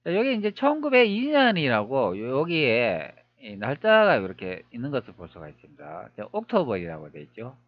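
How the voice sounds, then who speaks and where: A man's voice: medium pitch, huge pitch swings, normal speed, hardly any pauses, no room sound, highs cut off. A man talking viewers through old images on screen, wondering aloud with many rhetorical questions. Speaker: history video creator. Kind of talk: screen-recorded commentary.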